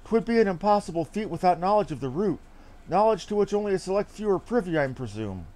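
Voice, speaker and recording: A man reads out a courtly, eloquent adventurer from a fantasy game. The delivery is theatrical and brisk, with formal old-fashioned phrasing, a raised male pitch and wide melodic swings. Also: sing-song, a little mellow. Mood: grave. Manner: theatrical, formal archaic diction. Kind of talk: reading game dialogue aloud in character.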